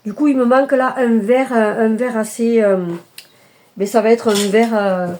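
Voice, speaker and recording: A woman with a slightly high, steady, darkish voice speaks at a moderate pace over slight background noise. In a casual video chat, she shows her cross-stitch work, talking hesitantly with many fillers and self-corrections.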